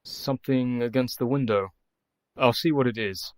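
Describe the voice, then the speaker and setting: A man playing an earnest young doctor, measured and devoted, in a radio play. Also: mid-range voice, slight background noise, close to an everyday voice. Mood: tender.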